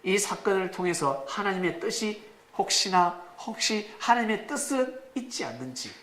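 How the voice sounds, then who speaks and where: A male pastor preaching a sermon with dramatic rises, sudden shouts and rhetorical questions to the congregation. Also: sits high, lively intonation, normal speed. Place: church sanctuary. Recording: echoey church room, faint ambience.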